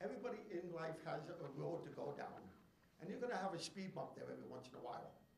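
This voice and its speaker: A man with a high voice talks at a very fast pace, yet leaves long, frequent pauses. His intonation is lively, and audible room echo surrounds him. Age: 60s. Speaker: resident speaking at public hearing. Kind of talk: public hearing comment. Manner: animated.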